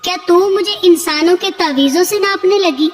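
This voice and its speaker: A woman voicing a possessive, menacing male jinn chieftain in a spoken story, sweet-talking or harsh by turns. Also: very high-pitched. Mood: furious. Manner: sweet-talking, turning to angry shouts.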